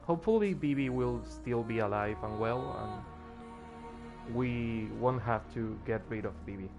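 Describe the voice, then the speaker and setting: Faint music plays as a tired man rambles while streaming a game, his voice fading. His mid-range voice stays unhurried through the casual commentary, and he restarts when something moves him.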